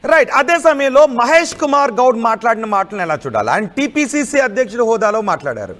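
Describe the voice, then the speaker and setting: A woman's voice: a little high, big pitch swings, a little fast. A woman anchoring live news, presenting developments and putting questions to a reporter.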